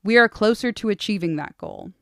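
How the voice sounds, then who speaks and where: A woman voicing a brutal, broad-shouldered young male high prince who makes loud proclamations. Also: measured pace, clean tone, no room sound, studio quality. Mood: proclaiming.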